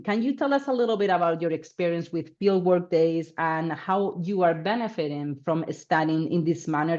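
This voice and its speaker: A woman, a school director, presenting to families over a video call in a friendly, explanatory way with frequent fillers. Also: on the low side. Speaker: school resident director hosting a reception. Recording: dull lo-fi call audio.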